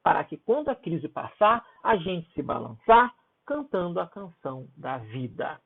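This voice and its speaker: A man's voice: fairly high pitch, big pitch swings, unhurried, creaky, slightly rough. A male teacher talks pupils through their homework tasks in an informal way, checking in with them often. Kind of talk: recorded homework walkthrough for pupils. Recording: tinny phone-like audio.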